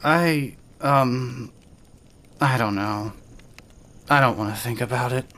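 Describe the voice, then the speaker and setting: A woman's voice: rumbling low, slow pace, a bit bright, exaggerated voice. An actress playing a self-loathing, tipsy, foul-mouthed young trans woman who rambles bitterly in an audio drama, with music behind her. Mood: anxious, evasive. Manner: rambling, sweary, self-deprecating. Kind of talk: fandub audio drama, first-person monologue.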